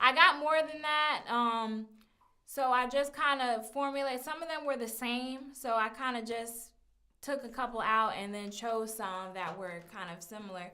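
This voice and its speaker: The woman's high-pitched voice has a bright, sharp tone and an animated delivery with big swings in loudness. Room echo is audible. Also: ordinary pitch variation, moderate pace. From US South, Atlanta. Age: 20s. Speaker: podcast host and teacher. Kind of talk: live stream Q&A chat. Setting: live video stream.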